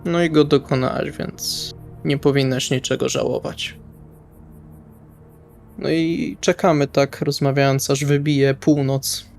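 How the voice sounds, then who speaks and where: A man's voice: mid-range voice, little pitch movement, unhurried, vocal fry, a little mellow, faint music behind. A man playing a tabletop role-playing game, improvising dialogue and narrating his actions casually in colloquial speech. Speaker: tabletop RPG player.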